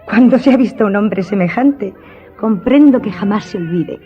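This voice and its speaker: A woman's voice: mid-range voice, moderate pace, natural voice. A woman playing a superstitious, imperious countess in a radio drama, speaking in a formal, dramatic, insistent way. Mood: haughty, intrigued. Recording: dull recording with background music.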